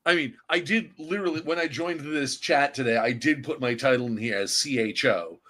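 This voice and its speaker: A man's voice: mid-range voice, fairly quick, pushed and bright. A man from the Boston area co-hosting a casual wrestling podcast over a remote streaming call, joking and rambling with lots of restarts. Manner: rambling, self-interrupting, jokey. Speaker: podcast co-host.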